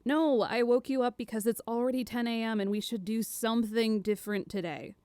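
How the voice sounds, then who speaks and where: A woman playing a bold, impulsive young fugitive in an audio drama, brisk and sarcastic. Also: fairly high pitch, fairly even intonation, dark tone, clear, resonant tone, no echo, lightly acted. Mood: upbeat, sarcastic.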